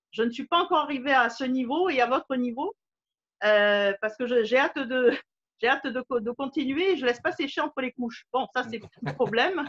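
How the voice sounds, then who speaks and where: The sound is dry and close, with no echo, as a woman speaks at a high pitch. Her pace is moderate and her pitch variation ordinary. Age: 60s. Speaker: retired amateur painter, contest winner. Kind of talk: interview. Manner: hesitant, many fillers and repetitions.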